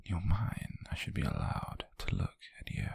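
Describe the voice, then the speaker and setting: A man's voice: very deep voice, huge pitch swings, darkish tone, dry recording, heavily acted. Man acting a whispering, possessive young British yandere. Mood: possessive, insistent. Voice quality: breathy, husky whisper. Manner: halting, deliberate, coaxing. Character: possessive, wealthy young yandere man, softly menacing and patient. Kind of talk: whispered ASMR roleplay.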